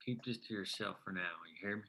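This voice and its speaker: A man playing a guarded coal-town man, terse and hushed, in a screenplay table read with faint noise. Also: on the low side, fast, creaky.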